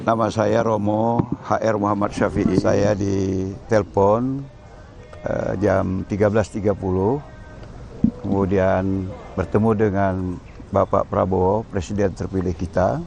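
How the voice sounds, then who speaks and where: A man giving a formal statement to the press, speaking in a measured, deliberate way with frequent pauses and fillers. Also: fairly low pitch, level tone, vocal fry, a little mellow. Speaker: political appointee speaking to press.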